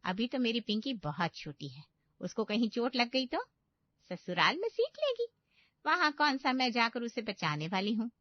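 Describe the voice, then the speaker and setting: A woman's voice: a little high, big pitch swings, moderate pace, no room sound, voice pushed up. A woman voicing a doting, protective middle-aged mother in a cartoon. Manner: fond, protective. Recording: dull lo-fi dry recording.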